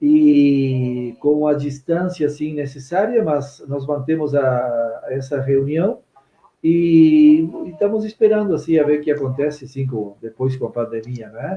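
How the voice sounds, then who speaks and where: A man with a Spanish accent speaks in a fairly high pitch. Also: ordinary pitch variation, fairly slow pace. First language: Spanish (speaking Portuguese). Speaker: spiritist centre leader. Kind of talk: live radio interview. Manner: halting.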